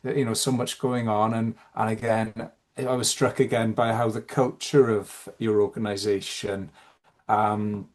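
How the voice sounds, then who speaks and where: Halting man chairing an online forum. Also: lowish voice, level tone, a little mellow. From Wales. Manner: hesitant, many fillers and restarts. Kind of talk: online meeting chat.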